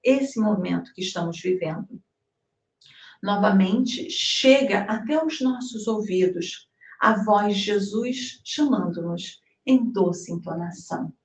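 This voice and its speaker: A woman from Brazil, giving an animated spiritist devotional talk. She often ends phrases with a questioning tag and acts out little dialogues. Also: medium pitch, slow. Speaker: spiritist speaker. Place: hall in New Jersey. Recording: roomy, mic at a distance.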